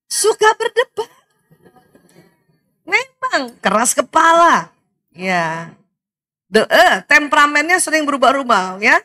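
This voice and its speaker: Middle-aged lady lecturing moms, high voice, laughs a lot, keeps asking the crowd questions. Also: takes it slowly, pauses often. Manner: animated, laughs often, asks the audience rhetorical questions. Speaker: lecturer speaking to mothers. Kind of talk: lively seminar talk.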